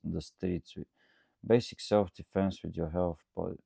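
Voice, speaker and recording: A man with a Bulgarian accent and a very deep, gravelly voice, recorded dry and close. He talks off the cuff like a coach hosting a question session, rambling and checking that listeners follow. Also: fairly even intonation, measured pace, warm tone, no room sound. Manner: rambling, checks understanding with frequent "okay?". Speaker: coach and host answering audience questions. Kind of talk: casual unscripted talk to camera.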